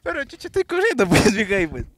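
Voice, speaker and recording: A man's voice: sits high, huge pitch swings, fast talker, fairly bright tone. A young man, a podcast guest telling school stories in a loose, rambling way with frequent laughs. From Ecuador. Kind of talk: casual comedy podcast chat.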